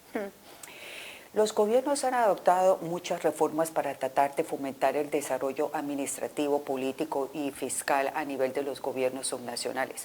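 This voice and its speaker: A woman speaks with a very deep, low pitch and a dark, mellow tone. Her pace is moderate and her pitch varies in an ordinary way. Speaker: university lecturer. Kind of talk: TV interview.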